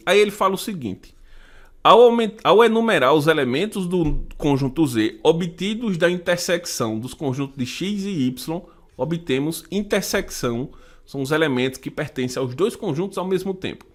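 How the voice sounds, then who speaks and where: A man with a Brazilian Portuguese accent teaches a math class, solving exam questions one step at a time. His voice sits a little high, and he counts items out loud and puts rhetorical questions to his students as he goes.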